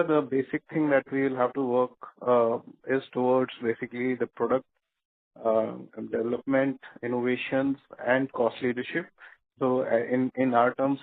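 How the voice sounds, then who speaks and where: A company executive answering an analyst's question at a measured pace, with many fillers and restarts. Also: male voice, mid-range voice, no echo. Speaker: company executive on earnings call. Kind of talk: earnings call answer. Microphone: conference call phone line. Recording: dry tinny phone line.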